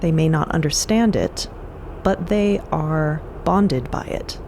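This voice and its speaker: A woman's voice: low voice, slow, a little mellow, slight background noise. A woman delivering scripted dramatic narration as the narrator of an audio story.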